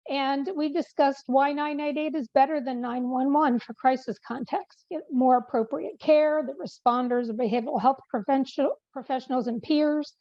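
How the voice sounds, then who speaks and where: A high, mellow-voiced woman briefs a meeting over a video call, her voice wearing thin. She stops on fillers and restarts her sentences. The sound is dry and dull, like lo-fi call audio. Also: no room sound. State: losing her voice. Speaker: policy presenter. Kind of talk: online meeting update.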